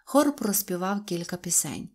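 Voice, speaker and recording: A woman reading a children's fairy tale aloud with gentle, expressive storytelling. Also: on the low side, normal speed, creaky. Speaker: audiobook reader. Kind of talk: fairy-tale audiobook narration.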